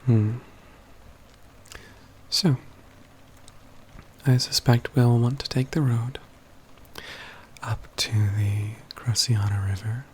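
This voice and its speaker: A man playing a calm, courtly mage companion in a soft-spoken ASMR fantasy roleplay, with measured, halting phrases that often drop to a whisper. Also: medium pitch, slight background noise, close to an everyday voice. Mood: calm, deliberate.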